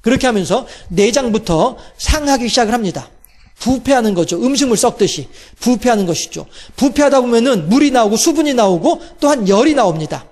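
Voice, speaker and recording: A male pastor with a strikingly high voice delivers a sermon. He keeps asking his listeners rhetorical questions. When he quotes someone, he slows down and goes soft. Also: expressive. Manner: rhetorical questions, voices God's quoted words softly and slowly.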